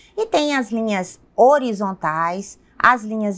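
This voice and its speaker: The woman has a normal speaking voice at a medium pitch, with ordinary pitch variation. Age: 40s. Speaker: teacher. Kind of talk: lecture. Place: studio. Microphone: lapel.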